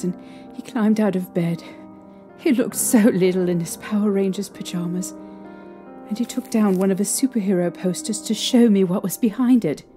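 A young woman playing a distraught, haunted mother recounting her ordeal emotionally and haltingly in an audio drama. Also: medium pitch, mellow, natural voice.

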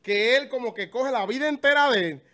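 A man's voice: extremely high pitch, a little fast, pushed and bright. A man co-hosting a casual gossip chat, teasing and emphatic.

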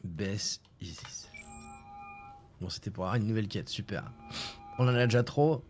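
A man's voice: on the low side, fast talker, music in the background. A male streamer chatting casually over a game, swearing and reading texts aloud.

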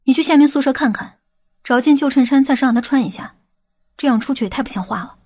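A woman playing a stern, sharp-tongued police officer in an audiobook, commanding and scolding. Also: high-pitched, fast talker. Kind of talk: audiobook character acting.

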